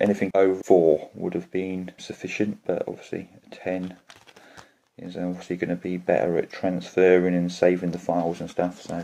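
This man has a very deep, low voice with a dark, mellow tone. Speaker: unboxing host. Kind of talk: casual unboxing commentary. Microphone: phone near.

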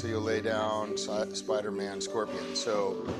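Loud music plays in the background. The speech moves at a very slow pace. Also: man. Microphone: video call.

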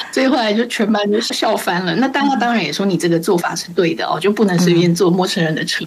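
Talking very fast at a medium pitch, a woman is heard over light background noise. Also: ordinary pitch variation. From Taiwan, Keelung; Taiwan. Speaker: media editor, former teacher; former teacher. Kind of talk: radio interview. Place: studio.

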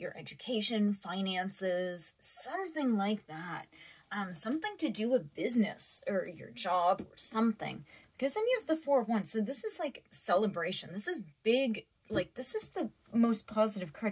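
A woman speaks at a moderate pace with lively intonation and a somewhat breathy voice. Her loudness swings widely. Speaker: tarot reader. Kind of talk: tarot reading commentary. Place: home room.

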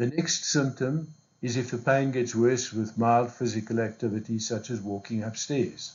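A man talks at a moderate pace with fairly even intonation. Audible room echo surrounds his voice. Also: medium pitch for a man.

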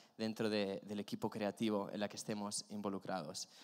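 A man speaking at a fairly slow pace over a quiet background. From Spain. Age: 30s. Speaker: pastor. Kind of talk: sermon. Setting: stage with audience. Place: church. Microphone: handheld.

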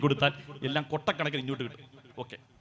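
Noticeable background noise accompanies a man speaking in a fairly high pitch. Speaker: Islamic preacher. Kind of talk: sermon.

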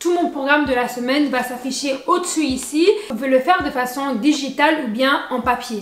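A woman speaks at a fairly quick pace in a high pitch with ordinary pitch variation, with audible room echo and light background noise. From Congolese heritage, lives in Belgium. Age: 20s. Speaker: YouTuber, content creator. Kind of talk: casual talk to camera. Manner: calm, relaxed chat. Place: home room.

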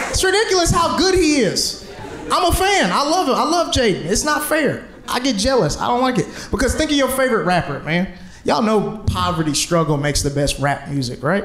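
Extremely high-pitched, a man talks at a fairly quick pace with very wide pitch swings and very even loudness, with audible room echo. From United States. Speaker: stand-up comedian. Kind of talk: stand-up comedy set. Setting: stage with audience. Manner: animated, punchy storyteller. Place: stage. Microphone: handheld.

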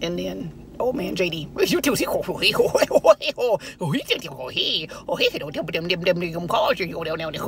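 A woman talks in a put-on character voice over clear background noise. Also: moderate pace. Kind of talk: casual vlog talk to camera.

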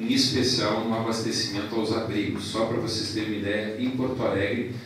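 A man talks at a moderate pace. Strong room echo surrounds him, with light background noise. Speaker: president of a professional council. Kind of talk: formal speech. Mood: serious, about flood disaster. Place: hall.

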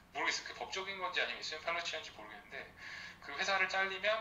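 A man's high-pitched voice carries audible room echo. Light background noise sits underneath. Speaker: architect; guest. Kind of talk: casual chat. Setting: video call. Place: home room. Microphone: headset.

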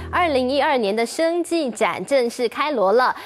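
Lively intonation at a moderate pace. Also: woman. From Taiwan. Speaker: TV finance show host. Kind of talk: TV talk show hosting. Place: studio. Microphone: lapel.

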